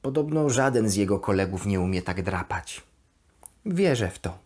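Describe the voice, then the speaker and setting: A woman's voice: very deep voice, animated, normal speed, darkish tone, voice pushed down. A woman voicing a chatty, devoted plush toy duck, expressively confiding her diary in a children's bedtime audio story. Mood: fond, chatty.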